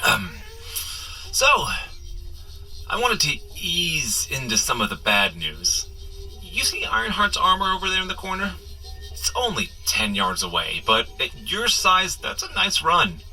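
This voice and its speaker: A man's voice: a little high, very animated, unhurried, bright, forceful tone, faint music behind, full character voice, poor audio. A man playing a flustered, wisecracking superhero who rambles sheepishly as he coaches a runner in a comedic audio drama. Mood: sheepish, rambling. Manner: rambling, sheepish, nervously joking asides. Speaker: character guide in an audio running adventure.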